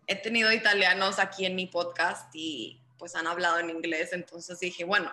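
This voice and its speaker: A woman hosting a podcast in casual interview chat, chatty and quick to agree. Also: lowish voice, steady tone, sharp tone, echoey room. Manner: chatty, frequent agreeing backchannels and laughs. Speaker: podcast host.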